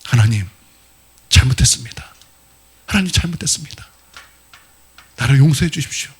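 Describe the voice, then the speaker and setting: An older patriarch full of earnest, exclaiming conviction, as a preacher voices him mid-sermon. His voice is husky and rises and falls widely. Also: mid-range voice, animated, normal speed. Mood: repentant. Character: repentant ancient patriarch, older man.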